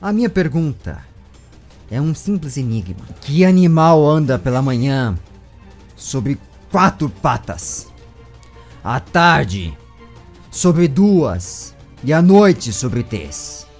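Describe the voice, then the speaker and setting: A Brazilian man voicing a menacing male knight who guards a temple and poses riddles in a theatrical, booming way. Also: big pitch swings, slow pace, darkish tone, soft background music, full character voice. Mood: taunting. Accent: Brazilian Portuguese.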